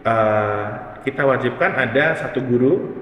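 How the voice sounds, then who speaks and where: A man who is a company CEO, speaking as an interview guest and explaining at length. He talks casually and pauses often, searching for his words. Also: medium pitch, muffled recording, a little hiss or hum. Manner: thoughtful, many pauses and fillers. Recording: reverberant room, distant mic, faint ambience.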